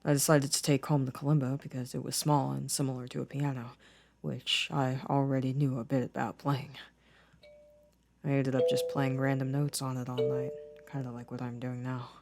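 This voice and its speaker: A man playing a gentle, introspective boyfriend in an intimate ASMR roleplay, soft-spoken with careful, formal wording. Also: mid-range voice, level tone, moderate pace, vocal fry, over music, close to an everyday voice. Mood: wistful, reflective. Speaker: audio roleplay voice actor.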